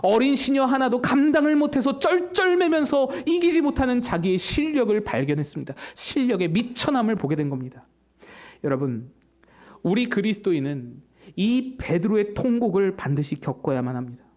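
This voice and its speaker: A woman pastor gives a Sunday sermon in a lively, expressive voice that climbs and dips a great deal. She tells the story vividly and keeps turning to her listeners with questions. Her pitch sits in a middle range. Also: moderate pace. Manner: animated storytelling, asks the congregation questions.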